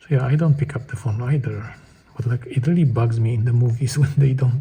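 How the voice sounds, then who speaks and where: A man with a non-native accent speaks in a relaxed tone at medium pitch, keeping a moderate pace and fairly even intonation. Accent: foreign accent, self-noted. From Poland. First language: Polish. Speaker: artist and vlogger. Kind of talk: casual monologue while drawing. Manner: relaxed, rambling.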